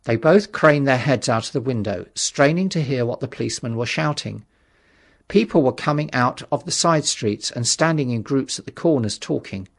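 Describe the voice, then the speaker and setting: A man narrating a literary audiobook in a measured, dramatic storytelling manner. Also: medium pitch, lively intonation, vocal fry.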